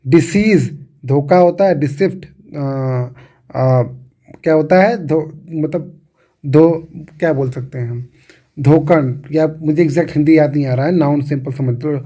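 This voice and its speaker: Man teaching grammar, mellow voice. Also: on the high side, unhurried. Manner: repeats and restarts words, asks the class questions. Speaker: English teacher. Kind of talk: explaining grammar to students.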